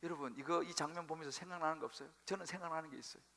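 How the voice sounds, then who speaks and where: A male pastor preaching a sermon, telling the story with animated, acted-out quotes. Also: on the high side, rapid-fire, gravelly. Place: church sanctuary.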